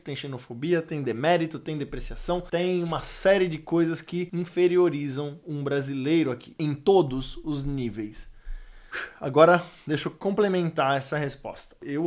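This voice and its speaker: A young man with a São Paulo Brazilian accent, talking casually to camera in an animated way, drawing out words for emphasis. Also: a little high. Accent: São Paulo Brazilian Portuguese. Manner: animated, swings loud and soft, drawn-out emphatic phrases. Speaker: vlogger and musician.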